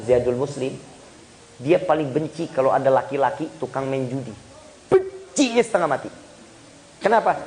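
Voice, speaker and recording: High-voiced joking preacher man. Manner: lively, joking, addresses the audience directly. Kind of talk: humorous Islamic sermon to a congregation.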